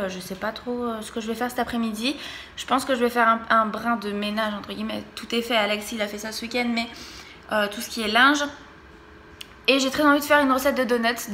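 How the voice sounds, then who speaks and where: A woman's voice: fairly high pitch, sharp tone, slight background noise. A young pregnant woman talking casually to camera in a family vlog, chatty and hesitant with many fillers. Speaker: vlogger and childminder.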